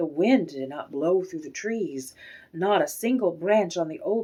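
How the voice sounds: Lively intonation in a natural reading voice.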